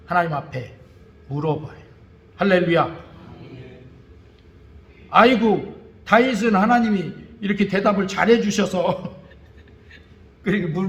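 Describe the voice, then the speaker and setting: A man from Chungcheong with a Chungcheong Korean accent, preaching a Sunday sermon in a folksy, anecdotal way, chuckling and repeating words as he goes. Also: sits high. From Chungcheong, South Korea. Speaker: pastor. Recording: echoey church hall.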